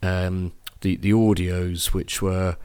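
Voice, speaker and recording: A man's voice: deep voice, level tone, takes it slowly, darkish tone, clear, resonant tone. A man hosting a casual podcast interview, asking questions with frequent restarts and repeated words. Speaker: podcast host.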